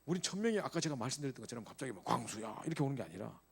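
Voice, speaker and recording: A middle-aged male pastor gives a sermon to young church members. He speaks quickly and with emphasis, tossing out rhetorical questions and answering them himself. His voice sits at an ordinary male pitch. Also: big pitch swings, gravelly, slightly rough. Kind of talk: sermon to a church youth group.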